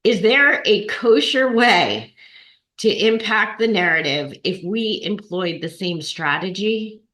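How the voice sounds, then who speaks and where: Woman podcast host, bright clear voice, asks long careful questions. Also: medium pitch, lively intonation, slow. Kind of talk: conversational interview.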